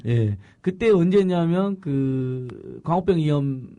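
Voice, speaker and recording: A man hosting a political talk program, his voice mellow and darker in tone yet lively in pitch. He tells anecdotes with animated energy and frequent laughter. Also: slow. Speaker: host.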